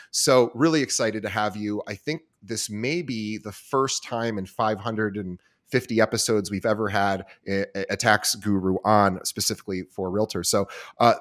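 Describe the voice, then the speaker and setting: Upbeat man hosting a podcast. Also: fairly low pitch. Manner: energetic, repeats himself, self-deprecating. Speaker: podcast host. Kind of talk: casual interview hosting.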